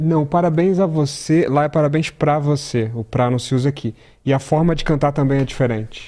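A man with a fairly high pitch, a dark, mellow tone and fairly even intonation. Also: moderate pace. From Brazil, Teresópolis near Rio de Janeiro. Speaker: illustrator and content creator. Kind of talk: casual chat. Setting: studio with audience.

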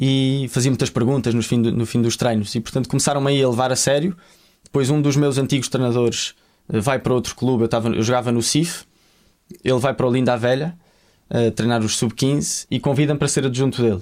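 The speech moves at a fairly quick pace with fairly even intonation and very even loudness. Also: man, medium pitch for a man. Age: 20s. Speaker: football coach and commentator. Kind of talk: casual interview.

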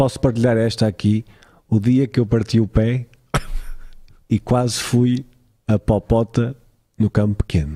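A man's dark, mellow tone at a fairly slow pace, with fairly even intonation, very even loudness and long, frequent pauses. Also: medium pitch for a man, dry, close sound with no echo. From Portugal, Porto. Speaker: comedian and podcaster. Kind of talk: casual chat. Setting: studio with audience.

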